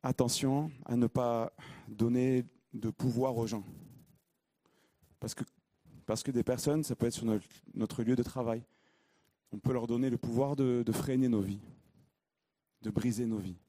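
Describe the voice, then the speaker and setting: Warm, husky-voiced French-speaking preacher. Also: male voice, mid-range voice, fairly even intonation, measured pace, pauses often, no room sound. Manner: emphatic, repeats key phrases, swings between loud and hushed. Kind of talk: sermon with Bible reading.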